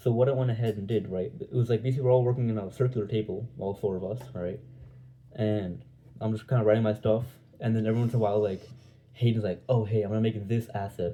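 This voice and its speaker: A man speaks at a very fast pace in a medium pitch, his somewhat breathy voice dark and mellow in tone, with fairly even intonation. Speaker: game developer, content creator. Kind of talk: casual storytelling vlog. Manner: fast, slurs words.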